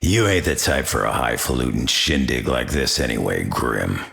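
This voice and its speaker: An actor playing a gruff middle-aged brawler in a video game, with a gravelly growl and blunt, folksy slang. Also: male voice, extremely low pitch, animated, normal speed, fairly bright tone, full character voice. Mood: gruff, friendly.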